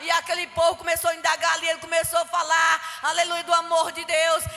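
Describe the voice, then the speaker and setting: With noticeable background noise, a woman speaks fairly quickly in a raised, projected voice at an extremely high pitch. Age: 60s. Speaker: pastor. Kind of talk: sermon. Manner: fervent, with frequent hallelujahs.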